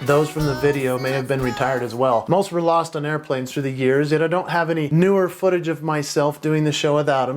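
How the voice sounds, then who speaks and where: A man with a fairly high pitch and ordinary pitch variation talks at a fairly quick pace against noticeable background noise. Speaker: entertainer and keynote speaker. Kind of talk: personal talk to camera.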